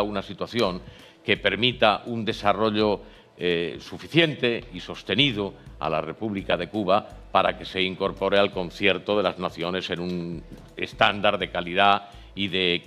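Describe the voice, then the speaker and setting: A man commenting formally on a radio talk show, speaking in long, measured sentences. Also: sits low, steady tone, fairly bright tone. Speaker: studio commentator.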